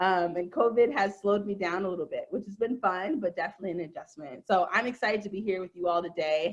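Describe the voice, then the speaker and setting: A woman's medium-pitched voice at a very fast pace, with hardly any pauses and ordinary pitch variation. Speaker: tech event organizer and keynote speaker. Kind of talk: keynote talk.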